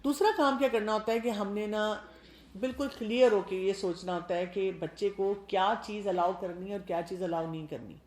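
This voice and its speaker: A middle-aged woman speaks as a doctor advising parents, at a middling pitch, in a calm, explanatory teaching voice. She keeps asking rhetorical questions. The sound carries the echo of a bare room. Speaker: doctor giving parenting advice. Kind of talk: parenting talk to mothers.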